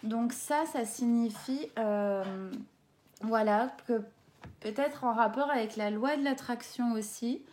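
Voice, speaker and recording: French woman, oracle reader, mellow and a bit high, gentle and halting. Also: slight background noise. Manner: gentle, hesitant, many fillers. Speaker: tarot and oracle card reader. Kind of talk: reading oracle card texts and commenting.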